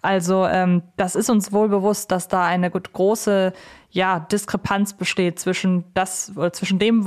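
Woman podcast host chatting with a guest, normal mid pitch, interview style. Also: darkish tone.

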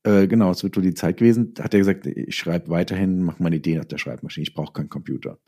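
Low-voiced, mellow middle-aged man in conversation. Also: fast talker. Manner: reflective, explains through self-quotes. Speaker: interview guest, author. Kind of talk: casual conversational interview talk.

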